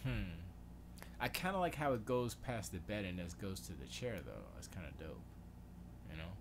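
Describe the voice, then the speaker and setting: A man from Florida with a lowish voice hosts a laid-back livestream from his home studio. He thinks aloud as he works, muttering questions to himself and letting sentences trail off. A steady hiss of noise sits clearly under the recording. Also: moderate pace. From Florida, USA. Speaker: livestream host.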